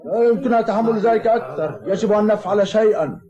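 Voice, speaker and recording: Quick, stern cartoon village official. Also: male voice, high voice, lively intonation, highs cut off, a crowd in the background. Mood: angry. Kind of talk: dubbed cartoon acting. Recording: echoey audio with music behind.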